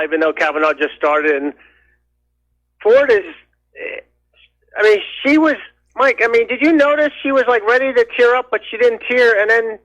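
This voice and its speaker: A man's voice: high voice, fairly bright tone, no echo. A man calling in over the phone to a talk radio show, talking in an indignant, rambling way full of restarts. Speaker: caller. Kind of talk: call-in radio chat. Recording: muffled phone line.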